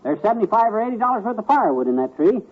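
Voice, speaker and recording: A blustery, self-assured husband in a 1940s radio sitcom. He talks fast in a slightly high voice, and the sound is dull like an old transcription. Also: big pitch swings. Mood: stubborn. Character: boastful, stubborn middle-aged husband.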